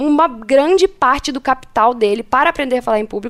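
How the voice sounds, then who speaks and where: A woman is speaking at a high pitch. Her intonation is lively. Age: 20s. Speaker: law student and public speaking coach. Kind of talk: casual interview on public speaking.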